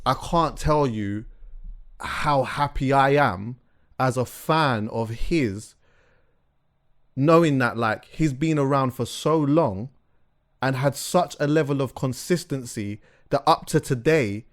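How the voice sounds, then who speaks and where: A man's voice: medium pitch, animated, slow pace. A man co-hosting a podcast, talking earnestly in casual chat and restarting words as he goes. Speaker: podcast co-host.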